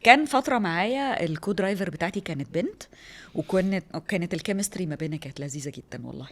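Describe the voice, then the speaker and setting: A woman in her thirties with an Egyptian Arabic accent, a rally driver telling her story in a lively, excitable way as an interview guest. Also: on the low side, very fast. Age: 30s. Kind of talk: casual interview talk.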